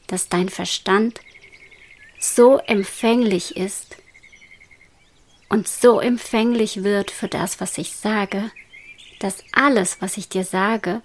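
A woman guiding a hypnosis meditation in a soft, slow whisper. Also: medium pitch, slight background noise. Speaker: hypnosis guide.

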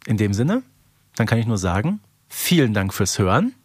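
A man's voice: fairly low pitch, very animated, normal speed, breathy edge, dry recording. A man hosting a podcast, chatting casually and colloquially about his opinions, often tagging phrases with little questions. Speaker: podcast host. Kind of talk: casual review chat.

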